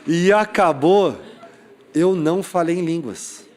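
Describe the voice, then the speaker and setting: A man's voice: a little high, slow pace. A young adult man from Brazil preaching a sermon, telling a funny personal story and acting out the voices of the people in it. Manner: animated storyteller acting out quoted voices, laughing at himself. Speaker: pastor.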